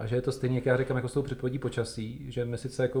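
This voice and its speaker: Speaking in a medium pitch, a man keeps his intonation monotone and flat. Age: 40s. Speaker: podcast host. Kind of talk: casual interview. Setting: on location in an office.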